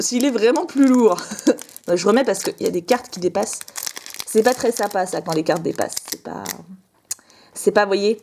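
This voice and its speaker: A woman's voice: mid-range voice, a little mellow, a little hiss or hum. A young woman chatting casually to camera while opening trading cards, bubbly and playful, laughing often with a put-on southern French lilt. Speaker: card-opening vlogger.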